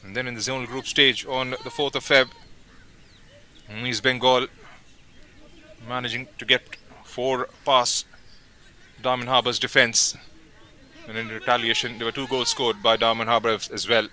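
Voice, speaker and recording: A man calls a football match live, his voice very bright and clear-edged. He speaks at an ordinary middle pitch and keeps an even, measured rhythm, naming each player as the ball moves. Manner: steady, measured calls with brief pauses between names. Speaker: football commentator. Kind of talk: live play-by-play commentary.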